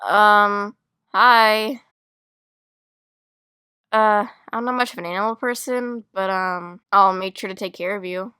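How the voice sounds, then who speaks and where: A woman playing a casual, youthful schoolgirl in an animated magic-school roleplay story. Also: medium pitch, slow pace, pauses often, clear, resonant tone, no echo, clean studio sound. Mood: awkward.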